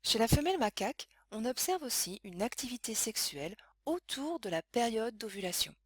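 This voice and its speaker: A woman reading scripted science lesson narration in a measured, explanatory way. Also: on the high side, very animated, husky, dry recording, clean studio sound. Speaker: educational narrator.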